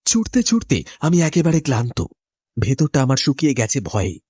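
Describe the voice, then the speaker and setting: A man's voice: mid-range voice, sing-song, a little fast, darkish tone, husky, no echo. A man narrating a horror cartoon in the first person, in a tense, dramatic storytelling manner. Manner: tense, storytelling delivery with sudden rises.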